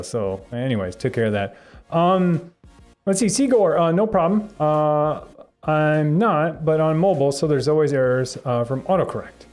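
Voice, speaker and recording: A young man hosting a live tech stream, answering viewer chat in a rambling, halting way with lots of fillers and restarts. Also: fairly high pitch, darkish tone. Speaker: tech livestream host.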